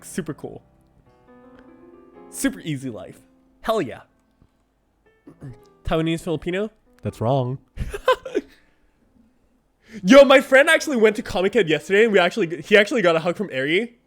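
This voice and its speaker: Lively high-voiced young man streaming. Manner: animated, laughs often, heavy use of "like". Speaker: game streamer. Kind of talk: casual livestream chat answering viewers.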